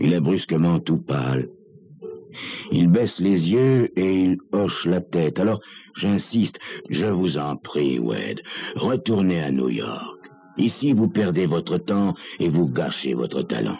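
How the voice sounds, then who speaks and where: With music in the background, a man speaks at a very slow pace with long, frequent pauses, his very deep, low pitch making very wide pitch swings. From France. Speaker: voice actor and actor. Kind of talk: radio crime story narration. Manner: first-person narration by a talent agent.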